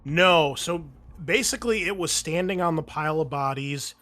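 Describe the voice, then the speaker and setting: A man's voice: on the high side, normal speed, a bit bright. A man, acting as game master in a casual tabletop session, explaining rules informally as he goes.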